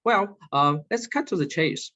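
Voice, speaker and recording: A man hosting an online talk, moderating with many halting fillers and restarts over a video call. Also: sits high, lively intonation, sharp tone. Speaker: webinar host and moderator. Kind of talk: hesitant online panel moderation. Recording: slightly dull lo-fi video call audio.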